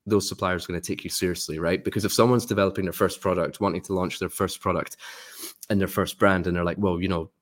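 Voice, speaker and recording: Deep, flat-voiced man. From Scotland. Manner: friendly, upbeat, explains in quick lists. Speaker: guest, sourcing expert. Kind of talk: casual interview talk.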